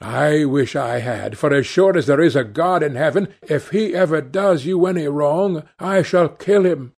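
A man's voice: fairly high pitch, unhurried, creaky, darkish tone. A man voicing a sullen sixteen-year-old boy, blunt and intense as he warns his sister. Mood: vowing.

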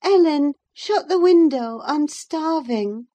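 A woman doing a peevish, high young lady. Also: lively intonation, normal speed, darkish tone. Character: feverish, wilful young woman.

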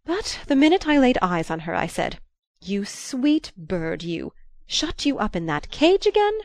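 A woman voicing a shrewd, commanding old grandmother who talks in a lively, imperious way. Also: mid-range voice, unhurried, no echo. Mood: indignant.

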